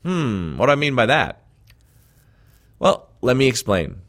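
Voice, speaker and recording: A man's voice: medium pitch, big pitch swings, a little slow, a bit bright. A man from Jamaica, speaking without an accent, earnestly talking listeners through a recorded self-help program as a coach. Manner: earnest, conversational, addresses listeners as friends.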